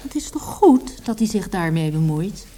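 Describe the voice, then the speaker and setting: A woman playing a practical, patient, gently teasing wife in a radio drama. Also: lowish voice, sing-song, moderate pace, slight background noise.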